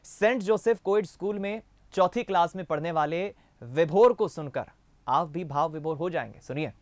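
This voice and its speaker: A man hosting a news show, leading a formal studio discussion with measured speech and some restarts. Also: on the high side, no room sound.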